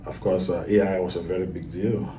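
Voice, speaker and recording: A man's voice: low-pitched, fairly even intonation, a little fast, recorded from a distance, background noise. A man from Cameroon, a guest in a casual talk, speaking with many fillers and restarts. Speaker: guest, IT project manager.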